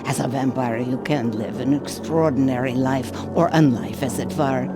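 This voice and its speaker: A woman's voice: a bass voice, fairly even intonation, moderate pace. A woman voicing a wry, bossy gypsy fortune teller in a video game, with a theatrical, knowing manner. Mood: soothing. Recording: music behind the voice. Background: music.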